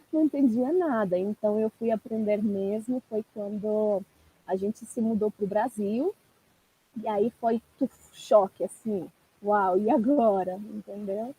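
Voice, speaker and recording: A woman's voice: medium pitch, expressive, slow pace, dark tone, breathy edge, low-quality recording. A woman, a language teacher, chatting casually on a live stream, laughing often and talking to the viewers. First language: Italian.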